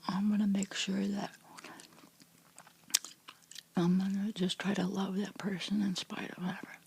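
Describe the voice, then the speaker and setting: A middle-aged woman whispering softly to her viewers in a rambling vlog chat, full of restarts and fillers. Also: medium pitch, level tone, a little slow, slight background noise. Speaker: vlogger.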